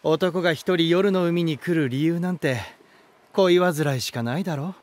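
Guy doing a flamboyant romantic spirit, smug smooth talker, highish voice, audio drama style. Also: moderate pace, lightly acted. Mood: smug, playful. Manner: theatrical, smug, smooth-talking. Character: flamboyant, self-assured romantic male lighthouse spirit. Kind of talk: audio drama character acting.

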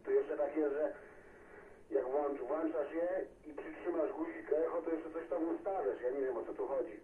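A man's voice: a little high, moderate pace. Male, casual CB radio operator, echoey transmission picked up from a distance, unsure, everyday slangy talk. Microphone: radio microphone heard through a receiver speaker. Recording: tinny band-limited radio signal, echoey, distant, noisy.

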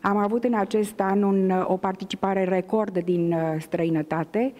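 A woman organizer describing an exhibition in a measured, informative way. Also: mid-range voice, fairly even intonation, warm tone, big-room sound, muffled recording, slight background noise.

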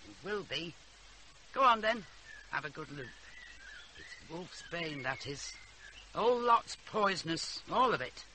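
An actress playing a sharp-tongued but fond old grandmother in a radio drama, with a Northern English accent and a wry, scolding manner. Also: lowish voice, sing-song, a little slow, pauses often, heavily acted. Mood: exasperated. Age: older. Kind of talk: naturalistic radio drama acting. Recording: noisy radio drama recording.

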